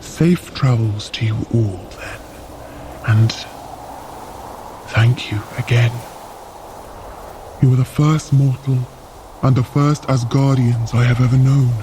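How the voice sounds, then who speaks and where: An actor playing a reserved, sincere frost giant guide in an audio drama, with formal, measured, stiff speech. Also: male voice, mid-range voice, fairly even intonation, lightly acted. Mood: hesitant, sincere. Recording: noticeable outdoor ambience noise.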